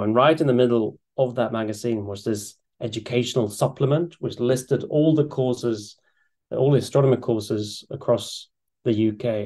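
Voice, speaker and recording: A man's voice: medium pitch, a little mellow. A middle-aged man who grew up in Sweden gives a public astronomy lecture from a small room over a video call. He talks in a loose, conversational way, full of restarts and fillers, and his mid-range voice lifts with enthusiasm. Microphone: webcam or desk mic on a video call.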